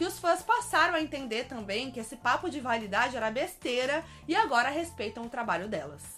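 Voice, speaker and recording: A high-pitched woman at a fairly quick pace, her pitch swinging very widely, amid noticeable background noise. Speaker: pop culture youtuber. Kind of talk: scripted narration. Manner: animated.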